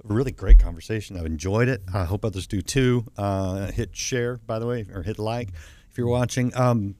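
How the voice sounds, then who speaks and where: A man hosts a talk show interview in a dry studio with a low voice. He is chatty and easygoing, and he often stumbles and restarts his sentences. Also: normal speed, a little mellow, dry recording. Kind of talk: casual interview hosting.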